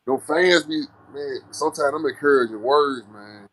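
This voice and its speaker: A man's voice: medium pitch, normal speed, a bit bright, low-quality recording. A man from Alabama with a Southern Black American accent, chatting casually and earnestly in a folksy way as an interview guest. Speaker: music artist guest.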